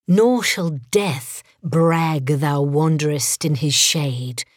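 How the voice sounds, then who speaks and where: A woman recites a classic sonnet very slowly and deliberately. Her voice sits a little low for a woman. The recording is dry and close. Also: no echo. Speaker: poetry reader. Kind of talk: slow dramatic poetry recitation.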